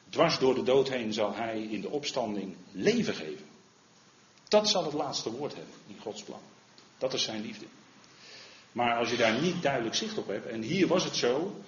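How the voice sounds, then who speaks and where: A man's voice: mid-range voice, fairly bright tone. Man preaching in a roomy church. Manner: earnest, rises in volume when quoting the Lord, frequent "hè?". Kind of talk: sermon. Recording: roomy, slightly dull recording.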